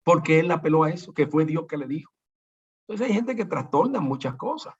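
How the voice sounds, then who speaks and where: A man preaching and teaching a congregation in an animated way, acting out the people he quotes. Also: on the high side, fairly quick, a little hiss or hum. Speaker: pastor. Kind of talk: preaching talk. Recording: dull lo-fi sound.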